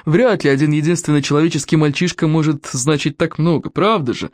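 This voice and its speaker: A woman's voice: mid-range voice, big pitch swings, normal speed, a little mellow, dry recording, voice pushed up. A woman voicing a huge cheerful male sea-dragon who talks in eager exclamations, recorded dry. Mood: jubilant, puzzled.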